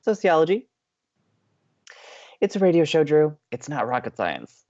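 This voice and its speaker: Lively, perky student radio co-host. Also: male voice, on the high side, unhurried, highs cut off. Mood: teasing. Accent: American. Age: young adult. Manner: upbeat, playful, teasing. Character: perky, eager, quirky young male college radio co-host. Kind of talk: audio drama dialogue as banter.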